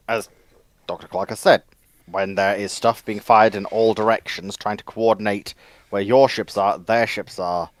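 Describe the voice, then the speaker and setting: A man with a fairly low voice and a very dry, close sound talks as a panelist. He explains things casually, in a measured and matter-of-fact manner. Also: dry recording. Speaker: panelist on a live discussion.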